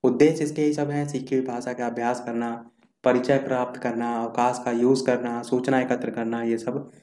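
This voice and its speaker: A man's voice: mid-range voice, level tone, normal speed, darkish tone, reverberant. A man giving an online revision lecture for an exam, reading out points as a list and repeating key terms while he scrolls through notes. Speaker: exam-prep teacher. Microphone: screen recording while scrolling notes.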